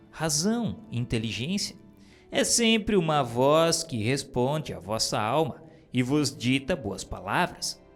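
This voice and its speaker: A man reading spiritist dictations aloud in a solemn, declamatory style, with slow, emphatic stresses. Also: medium pitch. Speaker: reader of spiritist texts. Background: soft background music.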